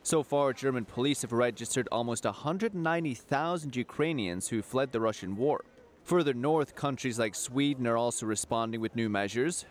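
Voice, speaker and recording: A man reading a scripted news report in a measured, formal way. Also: medium pitch, slight background noise.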